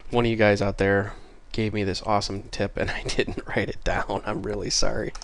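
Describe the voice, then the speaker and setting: A man's voice: fairly low pitch, level tone, moderate pace. A man hosting a programming tutorial, casual and apologetic, a bit stuffy after a cold. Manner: casual, apologetic, self-correcting. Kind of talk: screen-recorded coding tutorial.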